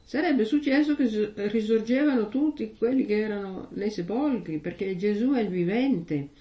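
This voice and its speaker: Distant woman preaching in an echoey hall. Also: mid-range voice. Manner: slow, measured reading with heavy pauses; conversational preaching with rhetorical questions. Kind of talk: gospel reading and sermon. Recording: echoey, distant, dull lo-fi sound.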